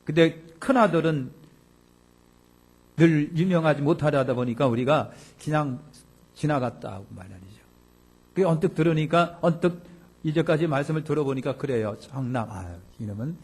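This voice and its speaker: A male pastor delivers a lively, colloquial sermon and keeps putting questions to his listeners. His voice sits fairly high for a man. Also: normal speed. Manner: animated, colloquial, questions the congregation.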